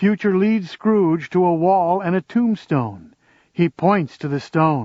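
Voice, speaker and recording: This man speaks with a high pitch. He keeps a fairly slow pace. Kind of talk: dramatic play reading. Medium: audio drama. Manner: measured, descriptive.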